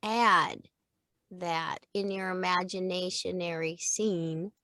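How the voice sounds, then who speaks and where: A middle-aged woman, a voice-over teacher, chatting in an interview in an animated way, laughing often and acting out example lines. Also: fairly low pitch, slow pace, no room sound, clean studio sound. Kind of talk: casual interview chat.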